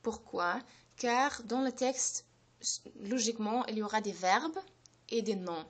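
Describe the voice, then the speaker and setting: A woman's voice: fairly high pitch, takes it slowly. A woman whose first language is German, hosting a language-learning channel and explaining in French, hesitant and full of fillers and restarts. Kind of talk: unscripted explanation to camera.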